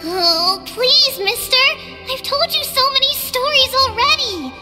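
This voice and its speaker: A woman voicing a cheerful young tribal girl who tells old legends in a lively, chatty way. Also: very high voice, a little slow, big-room sound, faint music behind, full character voice. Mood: playful. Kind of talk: game voice acting.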